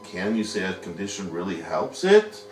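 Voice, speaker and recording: Low-voiced man teaching, patient and methodical. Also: big pitch swings, normal speed, darkish tone, slight background noise. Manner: patient, explains step by step with rhetorical questions. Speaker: yeshiva teacher. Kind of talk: Talmud study lesson. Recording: echoey room, mic at a distance.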